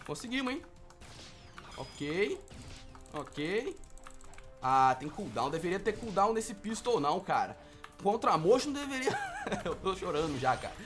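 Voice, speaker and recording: An excitable young man with a Brazilian accent narrates his own gameplay, groaning and cheering as the fight swings. His voice leaps up and down constantly. Faint game music plays underneath. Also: on the high side. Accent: Brazilian Portuguese. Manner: emotional, exclaims and groans at each hit and miss. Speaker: gaming video host.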